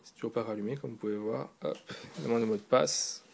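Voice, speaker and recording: Casting: man, casual gadget reviewer, gravelly edge, rambling delivery. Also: medium pitch, steady tone, brisk, slight background noise. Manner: loose and rambling, with fillers and restarts. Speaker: tech reviewer.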